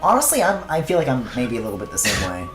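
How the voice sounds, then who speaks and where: A man's voice: medium pitch, wildly swooping pitch, fast talker, reverberant, over music. A young man streaming himself drawing, chatting casually, swearing and trailing off mid-thought. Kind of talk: casual chat while drawing.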